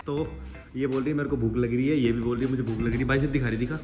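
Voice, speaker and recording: A man's voice: mid-range voice, fairly even intonation, rapid-fire, a little mellow. A young man, a fitness vlogger, chatting casually and teasing friends while filming in a hotel and gym. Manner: chatty, teasing, hypes up others. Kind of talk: casual vlog chat. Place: hotel room, restaurant and gym. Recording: echoey rooms with music behind.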